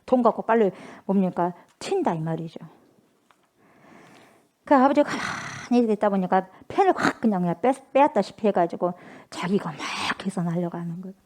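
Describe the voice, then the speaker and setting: A woman's voice: mid-range voice, expressive, normal speed, darkish tone. Woman pastor, conversational but emphatic sermon delivery. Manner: emphatic, repetitive, conversational preaching.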